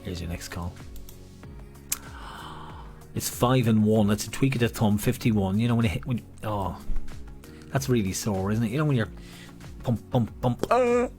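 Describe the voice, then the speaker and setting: A man's voice: lowish voice, very animated, moderate pace, long pauses, darkish tone, soft background music. An Irish man hosting as a bingo caller, mixing playful sing-song number calls with casual chat. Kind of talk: bingo calling mixed with casual banter.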